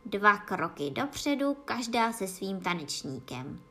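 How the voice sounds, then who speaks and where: A woman's voice: mid-range voice, big pitch swings, a bit bright. A woman voicing a sad, tearful sea-turtle creature in a bedtime storybook reading. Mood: excited. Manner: tearful, slow and mournful.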